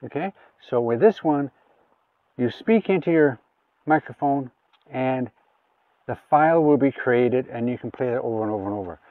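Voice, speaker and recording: A man with a mid-pitched voice walks through a gadget in a casual, hands-on demo. He talks informally, explaining each step as he goes. The sound is thin and phone-like, with his voice a little away from the mic. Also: normal speed, no room sound, distant mic. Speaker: gadget reviewer. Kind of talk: casual hands-on product demonstration.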